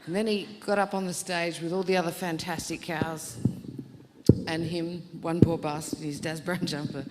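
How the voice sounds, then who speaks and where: Her voice is on the low side with little pitch movement and normal speed as she performs stand-up, telling rambling, self-mocking stories on a comedy venue stage. Background noise, long hall reverb, and faint audience laughter fill the live recording.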